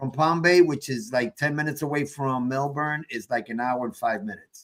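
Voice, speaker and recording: A man with an unremarkable speaking voice talks at a fairly quick pace and a fairly high pitch, with ordinary pitch variation. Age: 60s. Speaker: podcast host and bandleader. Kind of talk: casual chat.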